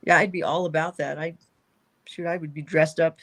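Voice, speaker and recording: A woman's voice: sits low, steady tone, moderate pace, fairly bright tone. A woman guest chatting casually in an interview, rambling and trailing off, laughing often.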